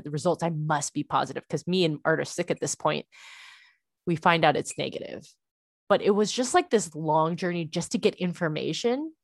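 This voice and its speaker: A young adult woman tells a long, exasperated story in an easy, rambling way, with "like" dropped into nearly every sentence. Her voice sits fairly low for a woman, and the sound is close and dry. It is a casual conversation among friends. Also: no room sound. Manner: animated, frustrated storytelling with many "like" fillers. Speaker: parent.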